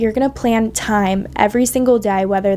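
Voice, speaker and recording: Over noticeable background noise, a woman with a medium pitch speaks at a moderate pace. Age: 20s. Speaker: lifestyle YouTuber. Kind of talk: self-improvement advice talk to camera.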